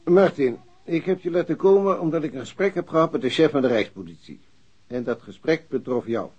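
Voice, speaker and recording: A senior police chief in a radio drama. His husky voice moves around a lot in pitch as he talks down to a subordinate, formal yet hesitant and patronizing. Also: animated, brisk, a little mellow, muffled recording. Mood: probing concern. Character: senior police chief, awkwardly breaking bad news to subordinate.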